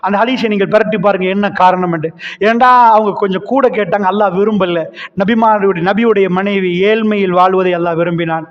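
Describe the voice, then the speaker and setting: Guy giving a passionate sermon, high voice, sound's kinda dull and echoey like a big hall. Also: steady tone, a little fast. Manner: impassioned storytelling, swelling to loud cries. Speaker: preacher. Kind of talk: Islamic sermon. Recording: reverberant hall sound, muffled lo-fi.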